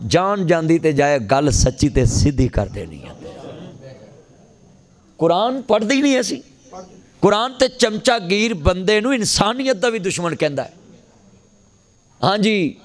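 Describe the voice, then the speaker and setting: A male cleric with a Lahori Punjabi accent delivers a fiery sermon to a gathering. His voice sits a touch higher than most men's. He rouses the listeners and calls on them to answer him aloud. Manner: rousing, calls on the crowd to answer loudly, acts out voices. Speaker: Islamic cleric preaching. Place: gathering at a mosque in a market.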